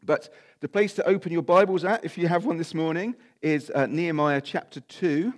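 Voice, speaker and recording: A man preaching a sermon and reading scripture aloud, his voice croaky and a little nasal from a cold, with informal asides. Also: on the high side, normal speed.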